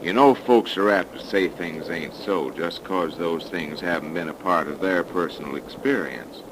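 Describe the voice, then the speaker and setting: An actor playing a calm, folksy investigator with a slow homespun drawl, in 1930s radio drama style. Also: male voice, deep voice, lightly acted. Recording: noisy 1930s radio recording.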